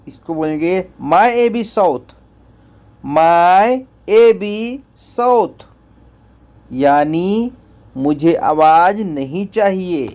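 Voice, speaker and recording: A man teaching spoken phrases, saying each one slowly and repeating it before explaining its meaning. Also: a little high, darkish tone. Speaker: language teacher. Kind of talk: slow spoken language lesson.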